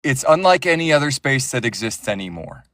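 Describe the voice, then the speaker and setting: A man's voice: medium pitch, sing-song, fairly quick, crowd noise. A man who narrates audiobooks, talking passionately and with strong opinions in a casual interview, often restarting his sentences.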